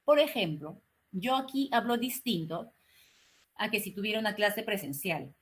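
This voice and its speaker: A woman teacher giving an online lesson, her voice at an ordinary middle pitch. She talks slowly and articulates each word with care, often pausing with small hesitations and checking that her students follow. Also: lively intonation, fairly bright tone. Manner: slow, carefully articulated explaining; frequent "¿no?" and "eh" fillers. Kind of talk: online class lecture. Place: home, online class.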